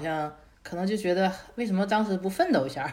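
Speaking at a fairly quick pace, a woman shows ordinary pitch variation against audible room echo. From China, moved to the US at about age 11. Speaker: illustrator and teacher. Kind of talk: casual chat.

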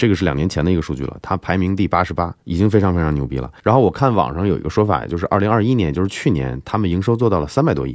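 With a very deep, low pitch and vocal fry, a man talks at a very fast pace with lively intonation and hardly any pauses against a quiet background. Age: 30s. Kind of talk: casual monologue.

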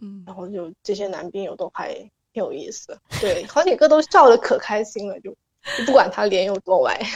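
Big swings in loudness mark a woman's speech. She keeps a moderate pace. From Guangdong, southern China. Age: 20s. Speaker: freelancer recovering from facial paralysis. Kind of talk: podcast interview, personal story.

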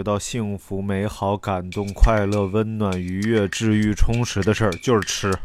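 A man's fairly low voice at a moderate pace, with hardly any pauses. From Shanxi, China. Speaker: podcast host. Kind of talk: casual chat. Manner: animated, frequent laughter.

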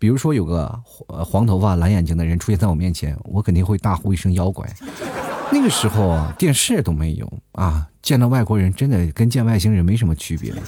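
A man with a very deep, low voice talks at a fairly quick pace. His tone is animated and his intonation lively. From Inner Mongolia, China. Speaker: podcast host. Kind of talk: casual comedic monologue. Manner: animated, joking.

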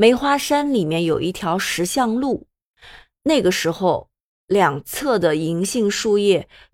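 A woman's medium-pitched voice at a very slow pace, with very wide pitch swings. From Nanjing, China. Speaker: podcast host, travel recommender. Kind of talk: solo monologue, travel recommendations.

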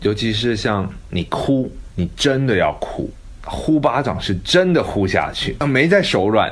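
A medium-pitched man with very wide pitch swings, amid audible room echo and noticeable background noise. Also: fairly slow pace. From Taiwan. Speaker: theatre actor and director. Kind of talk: casual interview chat.

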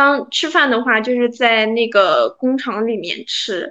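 A woman's high voice at a fairly slow pace. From rural China. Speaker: student, former factory summer worker. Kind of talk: interview.

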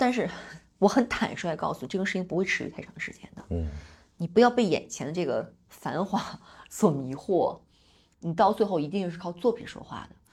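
A woman with a somewhat breathy, medium-pitched voice talks at a fairly quick pace with lively intonation and big swings in loudness, on a very clean recording with a silent background. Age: middle-aged. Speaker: art dealer. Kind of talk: casual interview chat.

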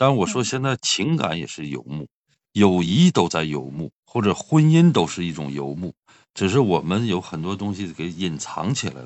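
The speaker has a Heilongjiang accent. The pitch swings very widely. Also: man, very deep, low pitch for a man, moderate pace. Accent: Heilongjiang (northeastern Mandarin). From Heilongjiang, northeast China. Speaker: documentary director. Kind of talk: casual chat. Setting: online audio room.

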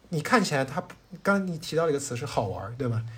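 This man's intonation is lively, and his voice is somewhat breathy. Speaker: startup founder and product manager. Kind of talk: podcast interview. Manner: hesitant, many filler sounds.

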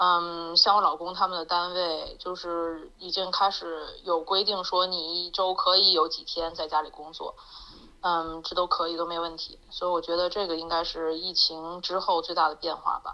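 A woman talks at a moderate pace with a fairly low pitch. Her intonation is monotone and flat. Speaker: lawyer. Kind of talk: recorded interview answers.

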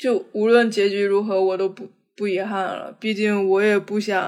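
In a very clean recording with a silent background, a woman with an unremarkable speaking voice talks at a moderate pace and medium pitch, her intonation fairly even. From Fujian, China. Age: 20s. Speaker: doctoral student. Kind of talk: personal interview.

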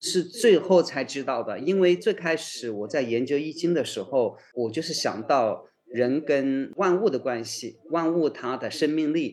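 A man with an ordinary speaking voice, fairly high in pitch, at a fairly slow pace with lively intonation and hardly any pauses. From China, Hunan. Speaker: choreographer and artist. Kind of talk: panel discussion. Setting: forum with audience.

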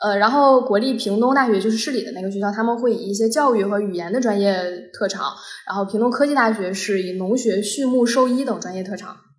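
A woman at a very fast pace and fairly high pitch, with ordinary pitch variation and audible room echo. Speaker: former exchange student. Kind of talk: casual interview chat.

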